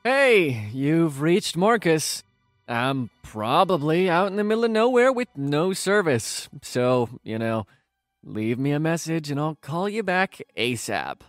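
Lively, casual boyfriend's voicemail greeting. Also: male voice, on the high side, measured pace, soft background music. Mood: laid-back. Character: Marcus, easygoing boyfriend on his voicemail greeting. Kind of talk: audio drama acting, casual recorded greeting.

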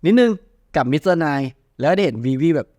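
A man hosts a movie news show and chats casually, blunt, slangy and excitable. His voice sits a little high and rattles along at a quick clip. It is recorded dry and close. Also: no room sound. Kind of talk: casual chat.

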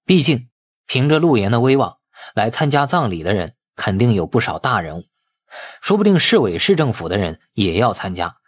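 A man's voice: medium pitch, slightly rough, no room sound. A man narrating an audiobook as dramatic scripted storytelling.

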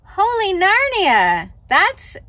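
A woman's voice: extremely high pitch, huge pitch swings, extremely slow, pushed and bright, dry recording. A woman in her thirties chatting casually over a CB radio, in short conversational replies. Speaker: host's wife helping with radio test. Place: inside a parked car. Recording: dull, noisy CB radio audio.

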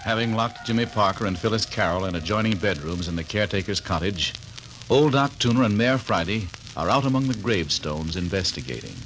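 A man's voice: on the low side, expressive, a little fast, fairly bright tone, low-quality recording. A male announcer narrating a 1940s radio serial in an ominous manner. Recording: old radio recording with faint hiss.

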